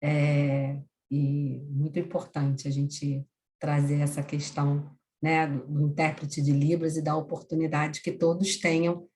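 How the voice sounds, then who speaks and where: A woman hosting a live webinar, speaking in a measured, formal way with frequent fillers. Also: low-pitched, flat delivery, a little mellow. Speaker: event host.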